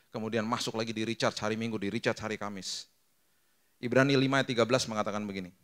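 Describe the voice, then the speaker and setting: A middle-aged man preaching a sermon as pastor, lively and acting out quoted voices, with English phrases mixed in. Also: on the low side.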